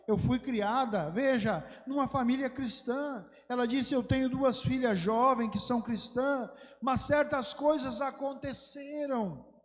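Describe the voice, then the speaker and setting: A high-pitched man preaches, his voice trailing off into a long, ringing hall reverb. He tells a story with fervor and presses his points with rising emphasis, as a pastor speaking from the pulpit. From Brazil. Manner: fervent storytelling preaching that swells into emphatic exhortation. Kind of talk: sermon. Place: church sanctuary.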